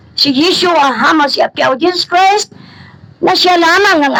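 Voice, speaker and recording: With noticeable background noise present, the speech unfolds at a fairly slow pace. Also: woman. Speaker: street evangelist. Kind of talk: street preaching. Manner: hesitant with fillers.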